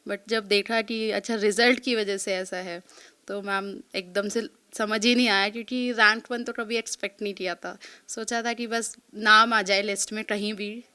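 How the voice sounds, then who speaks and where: A woman's voice: mid-range voice, fairly even intonation, normal speed, sharp tone, smooth. A woman in her thirties from Delhi, answering an interviewer politely, often saying ma'am and mixing English words into her talk. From Delhi, India. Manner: polite, keeps calling the reporter ma'am, mixes English words in. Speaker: interviewee, exam topper. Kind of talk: answering a reporter's interview questions.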